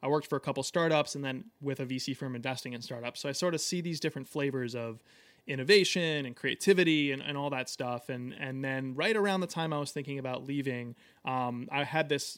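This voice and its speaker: A man speaks at a fairly quick pace in an ordinary speaking voice, his fairly high pitch showing ordinary pitch variation. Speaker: podcast creator and author. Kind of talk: interview chat.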